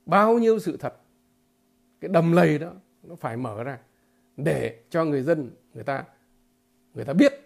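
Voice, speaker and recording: A man giving a political commentary monologue to his viewers, halting and repeating filler words, emphatic and blunt. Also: on the high side, expressive, vocal fry. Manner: emphatic, with blunt crude imagery.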